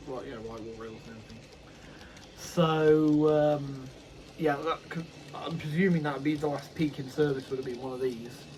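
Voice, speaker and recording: A man's voice: medium pitch, a little mellow, a little hiss or hum, poor audio. A man casually vlogging about his model railway hobby, rambling and correcting himself with many ums. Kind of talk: casual unboxing chat.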